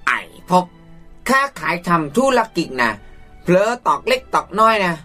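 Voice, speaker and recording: An actor playing a blunt, coarse-spoken friend who pleads for others to get a second chance. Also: male voice, high voice, sing-song, measured pace, bright, forceful tone, soft background music, heavily acted. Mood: pleading.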